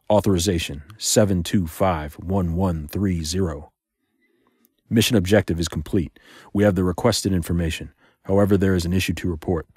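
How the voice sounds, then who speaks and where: A man acting as a male spy agent with a deep, husky voice, recorded close and dry. He is protective and defiant, with a tender streak, in the intimate style of an audio drama. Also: darkish tone, no room sound. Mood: clipped, formal.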